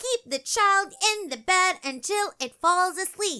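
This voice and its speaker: In a squeaky put-on character voice pitched extremely high, a woman talks at a fairly slow pace. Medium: read story. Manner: excited, bouncy.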